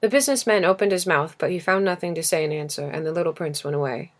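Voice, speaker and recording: A woman reads a storybook aloud as narrator. Her pitch is a little low for a woman, and the delivery is scripted audiobook prose. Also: fast talker. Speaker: audiobook reader.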